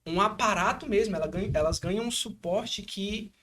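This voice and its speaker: A man with a Brazilian accent from Espírito Santo, hosting a podcast in casual, animated chat full of slang fillers. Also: sits high, normal speed. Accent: Espírito Santo Brazilian Portuguese. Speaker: podcast host.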